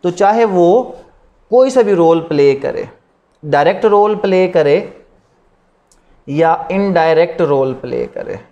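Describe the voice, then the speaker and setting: A man's voice: on the high side, lively intonation, slow pace, long pauses, warm tone, lo-fi sound. A man with a Pakistani accent giving a classroom lecture, didactic, repeating points and posing rhetorical questions. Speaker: law lecturer. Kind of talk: classroom lecture mixing Urdu with English legal terms.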